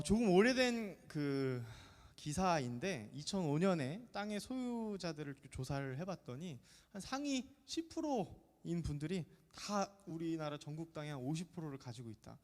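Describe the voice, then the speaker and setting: Chatty pastor in a reverberant church. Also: male voice, on the high side, sing-song, normal speed. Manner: chatty, jokey, often asks the congregation questions. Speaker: pastor of a middle-school youth service. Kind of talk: lively sermon to teenagers. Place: church sanctuary.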